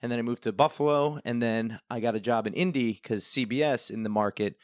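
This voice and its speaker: A man's voice: medium pitch, fairly quick, no room sound. Chatty young man, dry close mic. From Northeastern US. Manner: chatty, laughs often, rambling storyteller. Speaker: TV news reporter, guest. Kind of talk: casual podcast chat.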